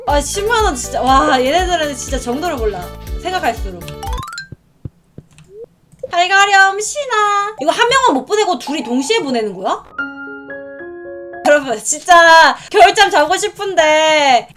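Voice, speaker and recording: High-voiced chatty woman gaming. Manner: chatty, self-mocking, laughs often. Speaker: game streamer. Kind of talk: casual let's-play commentary. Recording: game music playing behind.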